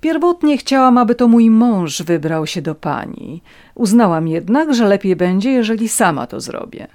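A woman's voice: mid-range voice, lively intonation, normal speed, a little mellow, voice pushed up, lightly acted. A woman voicing a haughty aristocratic countess who speaks with cold contempt. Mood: contemptuous.

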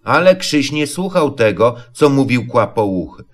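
Man, storybook narrator, slow, gentle, unhurried. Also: mid-range voice, big pitch swings. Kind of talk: storybook reading.

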